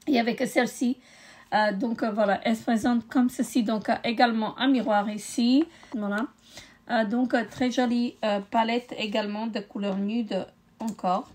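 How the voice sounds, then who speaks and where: A woman's voice: on the high side, fairly even intonation, normal speed, darkish tone. A middle-aged woman, tired, chatting casually with many hesitations in a beauty haul video. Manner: hesitant, many euh fillers. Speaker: beauty vlogger.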